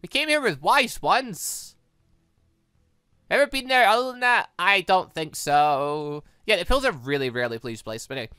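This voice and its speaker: A man's voice: high-pitched, animated, normal speed, pushed and bright, clean tone, dry recording, studio quality. A British man hosting a gaming playthrough, rambling and musing aloud as he gives casual commentary. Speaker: gaming video host.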